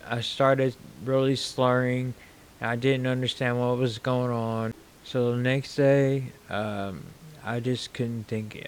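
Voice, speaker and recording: A man in his forties with slurred speech, telling his own story to camera in a plain, unhurried way. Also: medium pitch, a little hiss or hum. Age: 40s. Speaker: vlogger.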